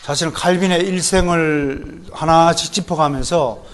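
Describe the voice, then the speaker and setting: A middle-aged male pastor with a Gyeongsang accent, preaching a sermon lecture in a lively, animated way, often mimicking others. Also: fairly high pitch, moderate pace. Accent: Gyeongsang Korean. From Gyeongsang region, Korea. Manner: lively, animated, mimics people in quoted voices.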